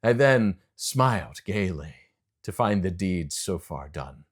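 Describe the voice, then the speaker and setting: A man's voice: sits low, expressive, slow, exaggerated voice. A man playing an unhinged, obsessive murderer who insists he is sane, in a theatrical first-person gothic horror reading. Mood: tense, gloating. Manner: theatrical, swinging between hushed and feverish delivery. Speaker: voice actor reading a short story.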